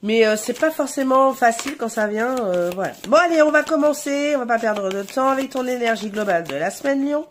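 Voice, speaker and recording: A woman's voice: on the high side, expressive, a little hiss or hum. A French woman with a cold and a stuffy nose, giving a casual tarot reading, hesitant with many fillers. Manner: slow, hesitant, many fillers, addresses viewers warmly as her "essentiels". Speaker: tarot reader. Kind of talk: casual tarot guidance vlog.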